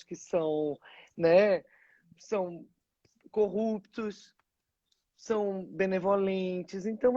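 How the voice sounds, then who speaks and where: A woman's voice: lowish voice, no room sound. A woman from Pernambuco, an actress, chatting expressively as an interview guest. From Pernambuco, Brazil. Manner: animated, expressive storytelling. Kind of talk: casual interview chat. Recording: dull, dry lo-fi sound.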